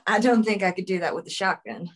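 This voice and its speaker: A woman's voice: mid-range voice, sing-song, quick pace, lightly acted. A woman reading a tough young female gunslinger, wry and guarded, at a table read.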